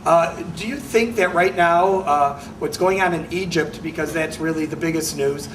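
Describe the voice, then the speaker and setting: A man's voice: fairly high pitch, normal speed. A middle-aged man hosting a talk show, asking long, rambling questions with many hesitations. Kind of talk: interview questions. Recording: distant mic with faint noise.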